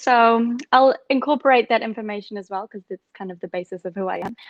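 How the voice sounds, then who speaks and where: Speaking with a New Zealand accent, a woman uses a fairly high pitch and lively intonation. Her loudness swings widely, and she hardly pauses. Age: 20s. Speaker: pageant candidate. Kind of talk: interview. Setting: live video stream.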